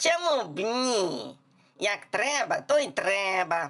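A put-on character voice, female-sounding, medium-pitched, with very wide pitch swings at a very slow pace. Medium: read story. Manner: sly.

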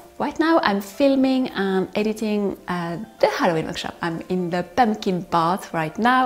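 The speech moves at a moderate pace with hardly any pauses. Faint music plays in the background. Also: woman. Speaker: online teacher. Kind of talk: casual vlog chat. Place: home room. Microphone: camera far.

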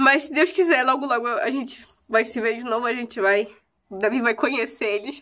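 A high-pitched woman speaks at a moderate pace in a bright, sharp, animated tone. Her pitch variation is ordinary, and the background is quiet. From Pará, northern Brazil. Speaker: vlogger. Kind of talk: casual vlog chat. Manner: animated, chatty. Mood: warm, reflective, sometimes wistful. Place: home room. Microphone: phone near.

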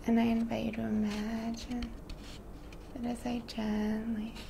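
A woman speaks softly in a soothing tone. Noticeable background noise can be heard. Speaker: relaxation video host. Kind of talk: gentle ASMR-style ramble. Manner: soft-spoken, slow soothing murmur. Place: home room. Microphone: phone near.

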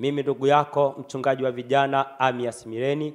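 A man's fairly slow speech over a quiet background. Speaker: youth pastor radio host. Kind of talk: prayer then radio sermon introduction. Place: studio.

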